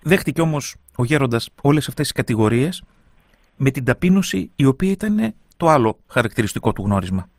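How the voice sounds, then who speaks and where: A man's voice: medium pitch, lively intonation, no room sound, studio quality. A man hosting a radio interview, answering the guest with short agreeing remarks. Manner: brief agreeing responses. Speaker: radio host. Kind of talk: interview prompts.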